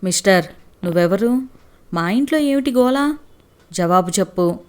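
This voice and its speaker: A woman voicing a stern older male judge who questions people in a commanding, booming way in a storybook reading. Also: expressive, unhurried, dark tone, natural voice. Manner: booming, interrogating.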